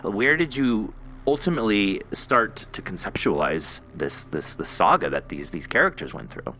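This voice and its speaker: Male podcast host, forceful and lively, chatting informally over faint music. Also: lowish voice, normal speed. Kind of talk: casual interview chat.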